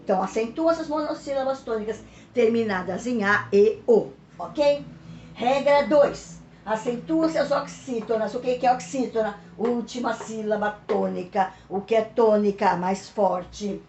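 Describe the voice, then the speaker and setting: Brief: female teacher with a Brazilian São Paulo accent, fairly high voice, patient step-by-step explaining, roomy echoey home recording with faint hiss. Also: a little mellow. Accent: Brazilian Portuguese, São Paulo. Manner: explains slowly, repeats key words and checks in with "ok?". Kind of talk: recorded lesson for pupils.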